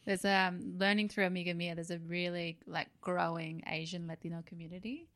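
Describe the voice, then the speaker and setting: A chatty Australian woman talks casually as a podcast guest, voice sitting a little low for a woman. She rambles with plenty of fillers and laughs. The sound is close and dry. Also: level tone, a little fast, a bit bright, no echo. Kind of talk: casual interview chat.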